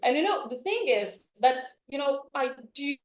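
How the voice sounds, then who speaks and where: A Lithuanian woman teaches languages and gives an informal conference presentation on a microphone. Her voice sits a little high, and she talks chattily with frequent "you know" fillers. The conference room adds a noticeable echo. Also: big pitch swings, normal speed. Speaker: conference speaker, language educator.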